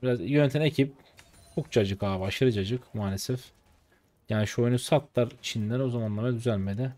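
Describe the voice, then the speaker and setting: A man's voice: medium pitch, a little fast. A man in his late twenties from Turkey, a streamer giving slangy, casual commentary over his own gameplay. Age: late 20s. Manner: slangy, excitable, shouts when the game turns.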